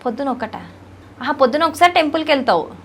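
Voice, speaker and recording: A woman's voice: high voice, fast talker, a little hiss or hum. A woman with a Telugu accent interviewing a young child in a playful, teasing, affectionate way. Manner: teasing, affectionate, animated questions.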